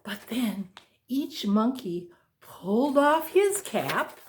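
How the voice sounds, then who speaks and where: A woman who is a teacher reading a picture book aloud to young children in an expressive, deliberate storytelling way. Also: on the high side, a little hiss or hum.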